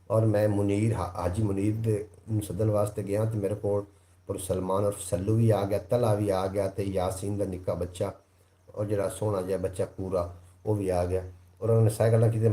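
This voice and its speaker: A man's voice: fairly low pitch, mellow, echoey room. Punjabi man hosting a live stream. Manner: chatty, thanks viewers one by one, recites couplets. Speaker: livestream host reading viewer comments. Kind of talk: casual live chat.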